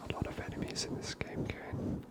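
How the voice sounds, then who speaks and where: A man giving gentle, unhurried ASMR game commentary in a breathy whisper, close to the microphone.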